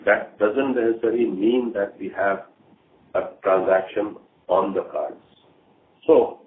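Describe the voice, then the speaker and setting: A man speaking as a company executive briefing investors on an earnings call, talking deliberately in short, halting phrases. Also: medium pitch. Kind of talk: earnings call management commentary. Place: conference call. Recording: tinny phone line with faint noise.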